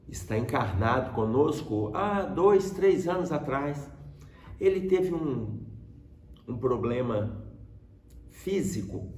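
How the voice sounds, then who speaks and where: A middle-aged Brazilian man with an accent, telling a personal story as a spiritist lecturer to a live audience in measured, drawn-out phrases. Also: medium pitch, dark tone, far from the mic, slight background noise. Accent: Brazilian Portuguese. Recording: echoey hall.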